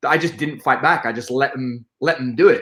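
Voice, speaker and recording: The voice has a bright, sharp tone, a fairly quick pace and ordinary pitch variation. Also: man. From East London. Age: 40s. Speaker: dating coach. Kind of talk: podcast interview. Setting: live stream.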